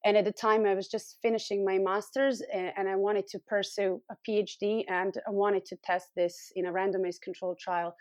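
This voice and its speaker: A woman's voice: medium pitch, level tone, fairly quick, few pauses, no echo. A woman from Serbia with a Serbian accent, speaking as an expert guest and explaining things in an interview. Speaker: guest expert, scoliosis clinic founder and physiotherapist.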